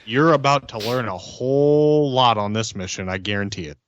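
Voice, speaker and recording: A man's voice: medium pitch, moderate pace, highs cut off, slight background noise. A man playing a tabletop role-playing game, talking casually and in character.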